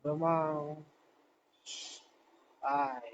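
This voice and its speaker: A man's voice: on the high side, flat delivery, very slow, dull audio, slight background noise. A man from Cameroon's anglophone South-West calling into a live stream from a construction site, talking hesitantly and repeating himself. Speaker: caller. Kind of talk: phone-in call to live stream.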